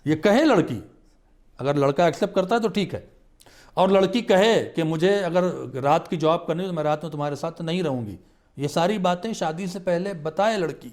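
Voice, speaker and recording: A man's voice: on the high side, darkish tone. A man on a studio talk show, explaining marriage advice in an earnest, emphatic way. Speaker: religious scholar guest.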